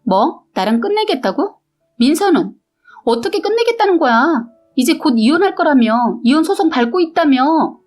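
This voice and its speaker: A woman voicing a defiant young mistress who turns shrill and indignant, in a read-aloud story. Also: lively intonation, a little fast, faint music behind.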